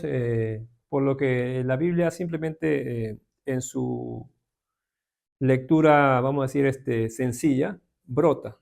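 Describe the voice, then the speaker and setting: A Peruvian man with a Peruvian Spanish accent leads an informal Bible class, chatting with his listeners and using lots of tag questions. His voice is gravelly and mid-range with a darkish tone.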